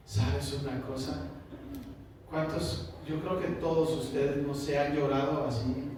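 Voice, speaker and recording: A pastor preaches in a fairly high voice and at an unhurried pace, and he keeps turning to the congregation with questions. His voice carries from some distance across a very echoey church hall. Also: flat delivery, background noise. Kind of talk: sermon.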